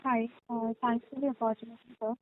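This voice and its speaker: A woman calling in over the phone to ask questions on a conference call. Her voice comes through faint and feeble, and she speaks hesitantly with many filler pauses. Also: a little high, little pitch movement, a little hiss or hum. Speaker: caller asking questions on an earnings call. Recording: tinny dry phone line.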